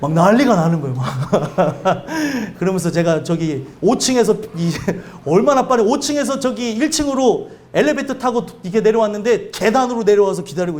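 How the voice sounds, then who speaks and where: A male pastor giving a sermon, earnest and conversational, with lively anecdotes. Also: high voice.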